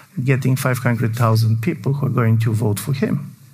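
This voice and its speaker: A man speaks at a moderate pace with a Bulgarian accent. Some room echo can be heard. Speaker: political scientist. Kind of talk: lecture. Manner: halting.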